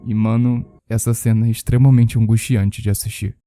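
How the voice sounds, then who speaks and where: A man's voice: on the low side, little pitch movement, a little fast, warm tone, soft background music. A Brazilian man narrating scripted commentary on horror videos.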